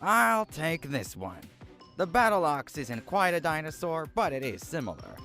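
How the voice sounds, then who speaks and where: An eager, self-satisfied card nerd in an audio drama, played by a man. The voice is bright and lively, picky and keen. Faint music sits behind it. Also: fairly high pitch, normal speed, exaggerated voice. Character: smug, eager scavenging card duelist in glasses. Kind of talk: fan audio drama acting.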